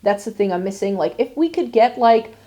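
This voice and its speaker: A woman's voice: on the high side, lively intonation, fairly quick, dark tone. A woman chatting casually through a makeup palette review, with lots of fillers and restarts. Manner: chatty, many fillers and self-corrections. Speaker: beauty vlogger.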